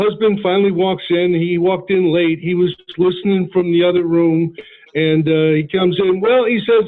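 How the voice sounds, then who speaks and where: A man giving a motivational sales talk, telling stories earnestly and acting out the dialogue. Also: high-pitched. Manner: earnest storytelling, acts out dialogue. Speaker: insurance sales mentor. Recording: tinny phone-like line.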